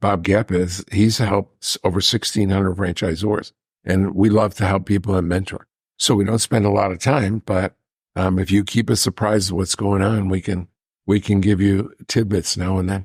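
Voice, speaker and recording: A man with an American accent speaks at a moderate pace in a monotone, flat way, somewhat breathy. The recording is very clean, dry and close, with a silent background and no echo. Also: fairly low pitch for a man. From US Northeast (upstate New York, Buffalo area). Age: 70s. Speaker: entrepreneur, franchise founder. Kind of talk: interview.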